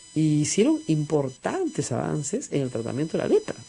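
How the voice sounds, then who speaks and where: An animated tone at a moderate pace, with noticeable background noise. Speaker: radio host. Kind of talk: radio interview.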